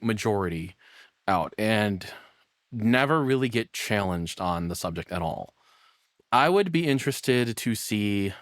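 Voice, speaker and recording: Guy doing sweary sarcastic reaction commentary, super animated pitch, dry sound w no room echo. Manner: sarcastic, profane. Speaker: reaction streamer. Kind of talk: casual off-the-cuff reaction commentary.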